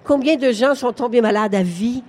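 A woman's voice: on the high side, moderate pace. An older woman with a Québécois accent, a novelist talking frankly at a live book fair interview, laughing often. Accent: Québécois French. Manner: frank, laughing, animated storytelling. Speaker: novelist guest. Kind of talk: conversational interview on stage.

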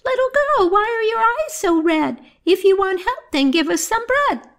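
A woman voicing a chorus of tiny squeaking mice in a storybook reading. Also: sing-song, moderate pace, a bit bright, heavily acted. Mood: pleading. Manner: squeaky, sing-song.

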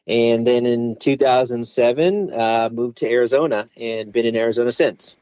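A man from Southern California talks casually as a podcast guest, pausing often and filling gaps with "uh." His voice sits at an ordinary pitch. The recording sounds dull and dry, with little room sound. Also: a little mellow, smooth, no room sound. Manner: halting, many "uh" fillers. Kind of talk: casual interview.

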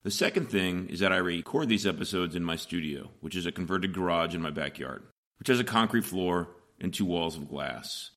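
A middle-aged man hosting a solo podcast, hoarse and raspy, explaining things plainly, step by step, from a small home recording booth. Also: low-pitched, moderate pace, fairly bright tone. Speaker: podcast host.

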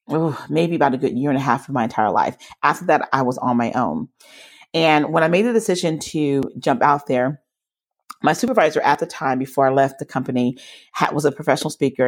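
Low-voiced woman, slightly nasal. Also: a little mellow. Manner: earnest, encouraging, storytelling. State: recovering from a cold. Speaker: podcast host. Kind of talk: solo podcast monologue.

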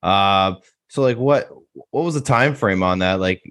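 A man's voice: low voice, unhurried, a bit bright, no echo, clean studio sound. A man hosting a podcast, asking friendly, rambling questions with frequent restarts. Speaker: podcast host. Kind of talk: casual interview chat.

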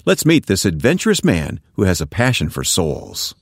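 A man hosts a radio interview show, reading his introduction and guiding the talk in a measured broadcaster's manner. His voice is very low yet moves a lot in pitch. The sound is dry and close. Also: huge pitch swings, gravelly, breathy edge, dry recording.

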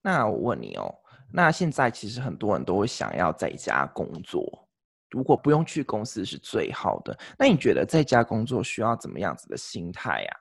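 A male host asks curious questions in a relaxed interview chat. His voice is gravelly and husky, and it swings widely up and down in pitch. The recording is close and dry. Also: moderate pace, no echo.

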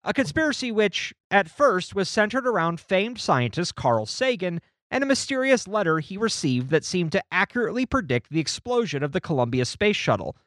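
Reading lengthy passages aloud and talking casually about a book, this podcast co-host has a high-pitched voice at a moderate pace with hardly any pauses. He's lively and animated, often restarting. The sound is studio quality with no echo.

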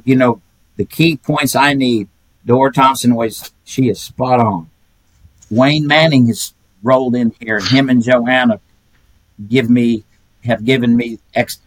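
A man's voice: medium pitch, no echo, low-quality recording. An older man, telling folksy stories as a podcast guest and chuckling often. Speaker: guest, retired pedigree reader. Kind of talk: casual podcast chat.

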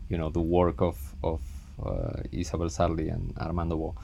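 A very low, gravelly male voice that stops and restarts often, as if searching for words. A faint hiss of noise sits under the talk. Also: little pitch movement, mellow, lo-fi sound. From born in Spain, raised in Argentina. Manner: halting, many restarts and fillers. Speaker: guest film director. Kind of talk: casual interview talk.

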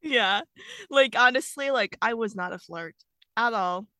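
Young woman, podcast co-host on a video call, giggly and chatty, bright tone, dry sound. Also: fairly high pitch, measured pace, no room sound. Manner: giggly, chatty, laughs often. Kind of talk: casual chat.

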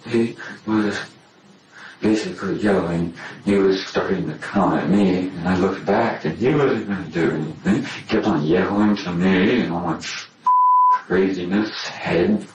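A man under police interrogation, answering in halting, subdued bits that trail off. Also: low-pitched, a little mellow, slight background noise. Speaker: murder suspect under interrogation. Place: interrogation room. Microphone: far room camera. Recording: echoey room from a distant camera.

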